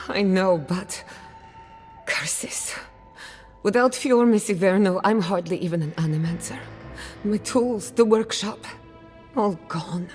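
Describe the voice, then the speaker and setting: An actress playing a proud, sharp-tongued outcast woman scholar in dramatic video game dialogue, articulate, assertive and wry. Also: medium pitch, slow, pauses often, soft background music, close to an everyday voice. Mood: dismayed.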